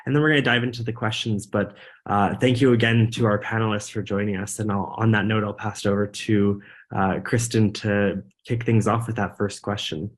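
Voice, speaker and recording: A man's voice: on the low side, steady tone, a little fast. A man hosting a university webinar, upbeat and welcoming as he introduces the panel. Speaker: webinar host. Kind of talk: event introduction.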